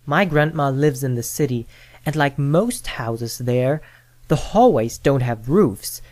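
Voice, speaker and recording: A performer plays a horror storyteller with an easygoing, halting delivery. The pace is very unhurried, with pauses between phrases. The sound is dry, with no room echo. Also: medium pitch, close to an everyday voice. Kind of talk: scripted horror storytelling and acted banter.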